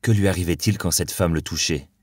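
A man narrating an audiobook novel in an even, measured reading. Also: low voice, no echo, clean studio sound. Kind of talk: scripted narration.

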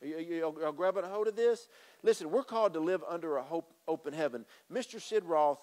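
A middle-aged man delivers a sermon into a handheld microphone, his voice sitting a little higher than most men's. He talks straight to the congregation, pressing his points by repeating phrases as he moves about the stage. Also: quick pace, darkish tone. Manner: emphatic, repeats phrases, addresses congregation directly. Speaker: pastor. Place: church stage with drum kit. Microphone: handheld mic.

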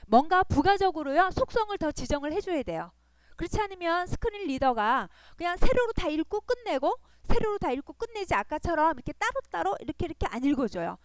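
A woman's voice: high-pitched, no room sound. A woman teaching a web design lesson over a screen recording, patient and repetitive, often checking in with her listeners. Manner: patient, repeats points and checks in with "그죠?". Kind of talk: screen-recorded coding tutorial.

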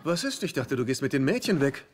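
A man's voice: medium pitch, very animated, brisk, natural voice. Guy doing sheepish whiny moocher in a sitcom dub, super up and down, really noisy audio. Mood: smug. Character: hapless, self-deluding middle-aged male freeloader, sheepish and petty. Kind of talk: German-dubbed sitcom dialogue. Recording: very noisy dubbed TV soundtrack, laugh track.

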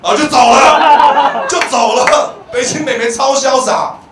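A man with a Taiwanese Mandarin accent, working a comedy-club crowd, his voice sitting high for a man. He is animated, breaking into loud shouted bits. The sound comes from some way off in an echoey room, with the audience clearly audible. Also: a little slow, distant mic, heavy background noise. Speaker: stand-up comedian. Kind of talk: stand-up comedy set.

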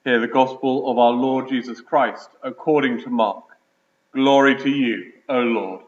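A man, a priest, reading the gospel and preaching in a measured liturgical way, his voice ringing with the echo of a large church. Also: mid-range voice, fairly even intonation. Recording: echoey church, dull lo-fi sound.

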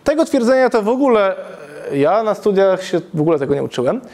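Man in his thirties, math lecturer, high voice, self-correcting, classroom with chalkboard. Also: big pitch swings, quick pace, a little mellow. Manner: thinking aloud, frequent self-corrections and "tak?" checks. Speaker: university lecturer.

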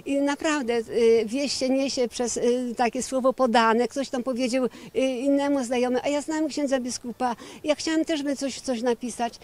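A middle-aged woman, a nun, answering questions outdoors into a handheld reporter mic, halting with many fillers and restarts. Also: high-pitched, steady tone, a little mellow. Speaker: nun, book organizer. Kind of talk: outdoor news interview. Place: outdoors by a church building.

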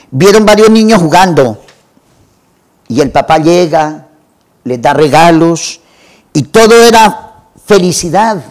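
A man retelling a classic novel for a literature program, in a measured way and lingering over lists. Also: fairly high pitch, a little mellow. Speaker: literature presenter.

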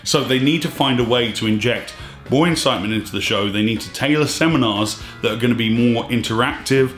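A man in his thirties hosting a scuba diving vlog, talking emphatically and a bit exasperated, his voice slightly hoarse. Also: mid-range voice, brisk, fairly bright tone. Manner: emphatic, exasperated, gestures with hands. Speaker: scuba diving channel host. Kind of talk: opinionated to-camera vlog. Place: small indoor studio room. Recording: echoey room with faint music.

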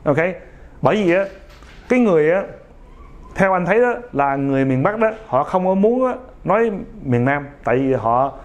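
A man giving a casual motivational talk to young viewers. He speaks haltingly, with many fillers, an imperfect accent, and a frequent "ok?". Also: fairly high pitch, big pitch swings.

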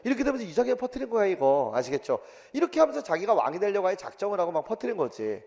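A man teaching an exam-prep history lecture in a lively, colloquial way, full of asides and rough everyday speech. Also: sits high, rapid-fire, in a large hall, crowd noise. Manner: lively, colloquial, acts out quotes with swearing.

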